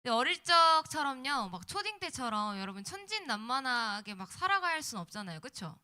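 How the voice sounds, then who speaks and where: High, bright-voiced woman preacher, slightly slurred after wisdom teeth. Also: very animated, fairly quick. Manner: conversational, checking in with young listeners. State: mouth swollen after wisdom tooth removal. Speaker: youth pastor preaching to middle schoolers. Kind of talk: sermon.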